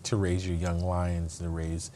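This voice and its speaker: A man's voice: low-pitched, completely flat delivery, a little slow, mellow, slight background noise. A man speaking as an interview guest, earnest and reflective, often restarting his sentences. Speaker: guest, state attorney. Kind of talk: conversational interview.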